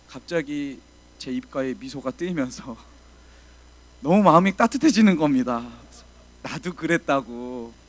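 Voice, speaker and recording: A man, a junior preacher, giving a storytelling sermon in a church, acting out the voices he quotes and swinging from hushed to loud. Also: a little high, poor audio. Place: church sanctuary.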